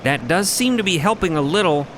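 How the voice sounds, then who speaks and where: A man's voice: on the high side, lively intonation, fairly quick, noisy background, lightly acted. A man acting as an earnest, apologetic ship technician in a fiction podcast, with precise, formal phrasing. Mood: measured, concerned.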